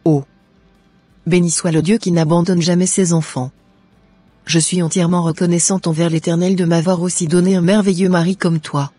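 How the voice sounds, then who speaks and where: Woman voicing a pious young Christian woman, earnest, mellow, breathy, Christian cartoon. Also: fairly low pitch, level tone, moderate pace, no echo, faint music behind. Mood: prayerful. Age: young adult. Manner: earnest, pious, speaks in prayers and praise.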